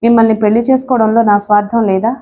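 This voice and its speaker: A woman voicing a young wife who speaks quietly but firmly in an audiobook. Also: a little high, level tone, fast talker, slight background noise, close to an everyday voice. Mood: teasing. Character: young wife, calm, firm, secretive.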